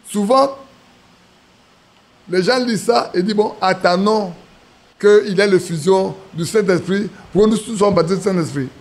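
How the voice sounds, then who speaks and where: Male preacher, high-pitched, sermon storyteller. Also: moderate pace, pauses often. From Ivory Coast. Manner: storytelling with acted quotes, restarts.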